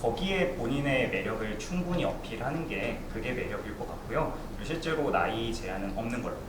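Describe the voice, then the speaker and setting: A man gives brief, matter-of-fact answers on a bank panel. His voice sits at a mid pitch. The hall around him is echoey and noisy. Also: animated, fairly quick. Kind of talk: panel talk.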